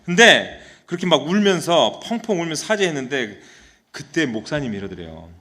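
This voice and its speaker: A man's voice: fairly high pitch, big pitch swings, fairly quick, pushed and bright. A man, a senior pastor, preaching a sermon in a church service, telling a story and often putting questions to the congregation. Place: church sanctuary during a live service.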